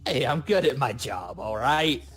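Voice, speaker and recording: A man's voice: medium pitch, big pitch swings, normal speed, fairly bright tone, soft background music. A man playing a boastful, squeamish goblin demolitionist in a tabletop game, talking in an indignant, self-justifying way. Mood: proud, defensive.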